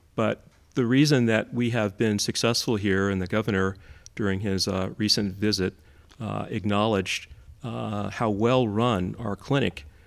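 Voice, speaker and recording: With ordinary pitch variation, a man talks in a fairly low voice over a quiet background. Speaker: city official moderating a panel; panelist. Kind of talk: scripted public address. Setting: video call. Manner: formal. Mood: earnest, appreciative. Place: studio. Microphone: podium.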